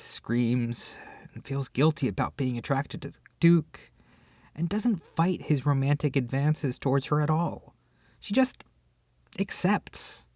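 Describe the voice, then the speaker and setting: In a one-sided roleplay, a voice actor plays an irritated book club member on a rant, exasperated and sarcastic with dramatic pauses. The voice is medium-pitched and darkish, recorded at studio quality with no room sound.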